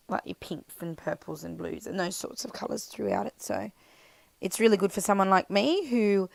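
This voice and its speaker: A woman with an Australian accent and a croaky, scratchy voice from being sick, chatting casually as she narrates her crafting. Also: on the low side, dry recording. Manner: chatty, rambling, self-deprecating, many fillers. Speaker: scrapbooking vlogger.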